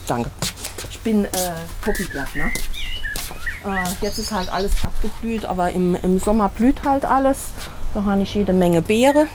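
A woman's voice: mid-range voice, wildly swooping pitch, a little slow, background noise. Woman in her fifties with a Saarland dialect. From Saarland, Germany. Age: 50s. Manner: chatty, blunt, dialect-coloured speech. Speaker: interviewee. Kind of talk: casual personal account.

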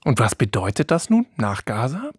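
A man hosting a radio interview, asking measured, articulate questions in a studio. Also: medium pitch, big pitch swings, husky, no echo. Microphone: studio microphone. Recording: dry studio sound.

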